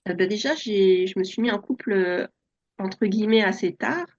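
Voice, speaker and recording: A soft-spoken woman in her forties, born in France, telling her story as an interview guest with many hesitations. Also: mid-range voice, normal speed, dull audio. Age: 40s. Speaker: podcast guest. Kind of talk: relaxed personal interview.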